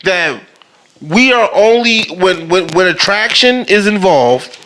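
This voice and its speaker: Male podcast co-host with a high voice, heard through a fuzz-distorted mic, loose and rambling. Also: lively intonation, slow pace, sharp tone. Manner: rambling, restarts and self-corrects. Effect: fuzzy distorted microphone. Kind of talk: casual group discussion.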